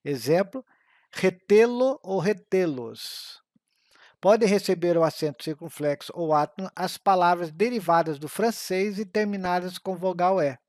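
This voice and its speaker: A man reads an exam-prep grammar lesson, slowing down carefully over the examples. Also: high voice, darkish tone, no room sound, studio quality. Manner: slow, careful reading of examples.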